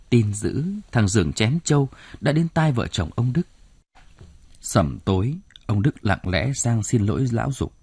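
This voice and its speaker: A man's voice: medium pitch, a little mellow, husky, dry recording. A man narrating a novel in an audiobook, telling the story expressively. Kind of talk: scripted narration.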